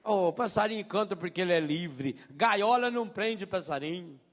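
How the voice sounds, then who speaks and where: Animated priest, lively high voice. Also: male voice, normal speed. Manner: animated storytelling, mimics voices. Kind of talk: sermon. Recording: long hall reverb.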